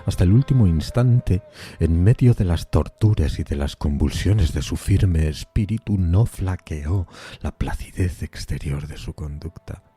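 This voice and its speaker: A man's voice: low voice, measured pace, warm tone, breathy edge. A man narrating a Gothic horror story from a script in a solemn, brooding, theatrical way. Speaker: narrator of a literary horror podcast. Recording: music under the voice. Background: music.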